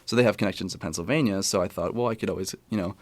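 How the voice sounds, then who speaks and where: Young man, American accent, very low pitch, quick rambling delivery, casual interview guest, self-correcting. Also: a little mellow, no room sound. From California, USA. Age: young adult, about 20. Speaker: college tennis player, interview guest.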